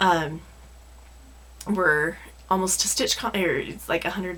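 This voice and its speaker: A woman speaks at a fairly low pitch in a monotone, flat way. Noticeable background noise and audible room echo fill the recording. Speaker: flosstube cross-stitch vlogger. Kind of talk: casual vlog chat to viewers.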